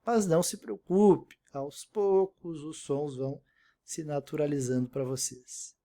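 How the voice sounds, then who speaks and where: Guy giving a beginner english lesson in portuguese, kinda high voice, patient, keeps saying né. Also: steady tone, a little slow, dark tone. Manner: explains step by step, repeats pronunciations, frequent "né?". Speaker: English teacher. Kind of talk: recorded online language lesson.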